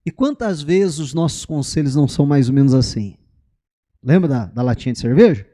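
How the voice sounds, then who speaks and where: Pastor guy preaching in church, lively high voice, mellow tone, keeps asking the crowd. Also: brisk. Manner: animated storytelling, keeps asking the congregation "né?" and "amém". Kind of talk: sermon. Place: church during a live service.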